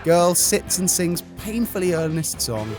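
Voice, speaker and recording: A man's voice: high voice, lively intonation, unhurried. A man reading comic scripted commentary in a wry, sarcastic manner. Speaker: video narrator. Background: light music.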